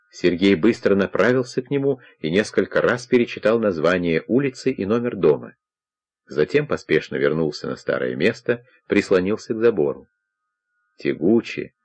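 Deep-voiced male audiobook narrator. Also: animated, normal speed, darkish tone. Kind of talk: scripted narration of a crime novel.

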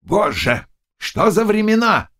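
Man doing a loud grumpy old nobleman, yells and scolds, voice jumps all over, storybook style. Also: high voice, big pitch swings, slow, pitched above the performer's own voice, exaggerated voice. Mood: grumbling. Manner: bellowing, scolding, gruff. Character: blustering old nobleman, hot-tempered and swaggering. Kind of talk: audiobook character voice.

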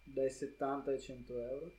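A man's voice: medium pitch, level tone, normal speed, warm tone, echoey room, a little hiss or hum, natural voice, rough recording. A man playing a shady, matter-of-fact arms and gadget dealer in improvised tabletop role-play.

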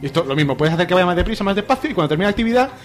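A man co-hosting a comedy podcast, telling a comic story about a video game in an animated way, often laughing and jumping into squeaky voices. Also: very fast, soft background music. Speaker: podcast co-host.

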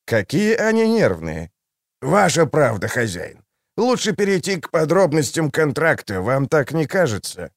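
An unflappable old manservant answers with dry, understated remarks, as the narrator reads him. The voice stays close and dry. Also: male voice, a little high, very animated, unhurried, dry recording, voice pushed up.

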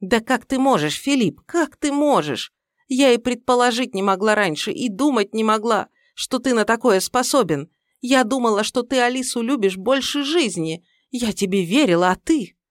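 A woman's voice: fairly high pitch, sing-song, normal speed, no room sound, studio quality, pitched above the performer's own voice. A woman voicing an older, domineering mother-in-law who scolds her son-in-law in a raised, indignant voice, read as an audiobook character. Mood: reproachful.

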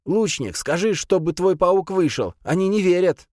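Man doing a shrill old tribal priest. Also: lively intonation, normal speed, no room sound, studio quality. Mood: insistent. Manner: shrill, fervent, shouting.

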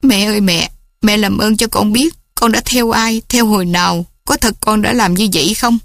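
A woman's voice: medium pitch, fairly even intonation, moderate pace, gravelly, no room sound, close to an everyday voice. A woman voicing a fragile young woman who pleads with her family. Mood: distraught. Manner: pleading, tearful.

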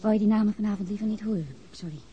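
A woman's voice: medium pitch, racing, warm tone, highs cut off, lightly acted. An actress playing a friendly, frank policewoman in a Dutch radio drama, informal and teasing.

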